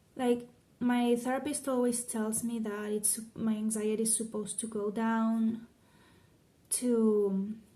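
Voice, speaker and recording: A woman talks at a fairly slow pace in a somewhat breathy, dark, mellow tone with monotone, flat intonation, on a very clean recording with a silent background. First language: Spanish and Catalan. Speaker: vlogger. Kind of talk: personal vlog monologue. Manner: halting, with many fillers and restarts.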